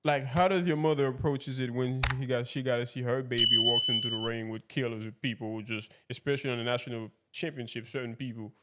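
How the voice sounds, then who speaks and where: A man's voice: mid-range voice, fairly even intonation, fast, few pauses, bright, forceful tone, a little hiss or hum. A man hosting a casual podcast interview, asking long, rambling questions with restarts. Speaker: podcast host.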